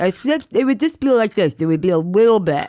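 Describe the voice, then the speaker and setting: A put-on character voice, fairly high-pitched and mumbling, comes at a moderate pace. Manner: mocking, comedic.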